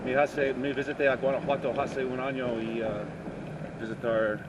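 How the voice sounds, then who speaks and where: Man in halting learner's Spanish. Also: mid-range voice, fairly even intonation, lo-fi sound. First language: English. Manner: halting learner's Spanish, many fillers and restarts. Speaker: musician and songwriter. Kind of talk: casual chat in a taxi. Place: inside a moving taxi. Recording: noisy car ride recording. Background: street and engine noise.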